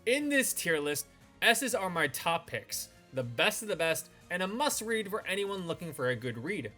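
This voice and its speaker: A man's voice: high voice, very animated, moderate pace, sharp tone. A man presenting semi-scripted review commentary as the host of a video channel. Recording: voice-over with music behind.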